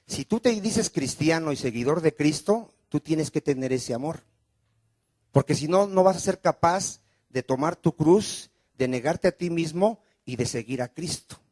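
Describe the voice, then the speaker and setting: A pastor delivers a sermon in a fairly high voice. He keeps asking the congregation questions and calling for their amens. The sound is dry and close. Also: lively intonation, unhurried, darkish tone, no room sound. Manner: preaching with call-and-response questions.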